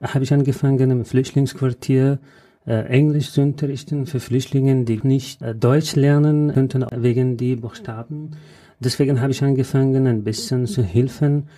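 A man from Afghanistan, answering interview questions in halting, full of hesitations. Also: mid-range voice, fairly even intonation, dark tone. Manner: halting non-native German with frequent "äh" fillers. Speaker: guest, journalist.

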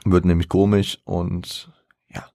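A man's voice: low voice, little pitch movement, takes it slowly, mellow, no room sound, clean studio sound. A young man chatting casually in German about a rap album, rambling and correcting himself as he goes. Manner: rambling, self-correcting, laughs often. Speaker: podcast host. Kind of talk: casual music commentary.

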